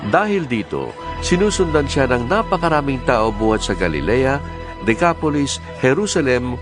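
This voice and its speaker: A man's voice: mid-range voice, very animated, moderate pace. A man with a Filipino accent narrating a scripted audio Bible. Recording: music under the voice.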